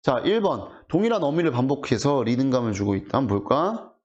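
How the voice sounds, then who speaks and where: A man teaching high school literature in an online lecture, talking casually and asking his students rhetorical questions. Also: very animated, quick pace, a little mellow. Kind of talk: online exam explanation lecture. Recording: dull lo-fi audio.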